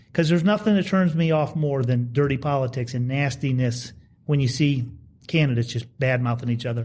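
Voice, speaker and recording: With an American accent, a man speaks at a fairly quick pace in a somewhat breathy, medium-pitched voice with ordinary pitch variation. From US Midwest, Akron Ohio. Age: 50s. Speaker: real estate investor. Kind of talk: interview.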